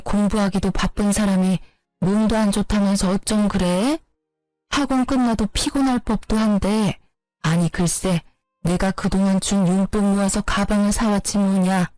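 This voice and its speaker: A woman's voice: medium pitch, a little mellow, dry recording, lightly acted, poor audio. Woman doing a gushing chatty mother. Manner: rapid, gushing talk. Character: chatty excited mother, middle-aged woman.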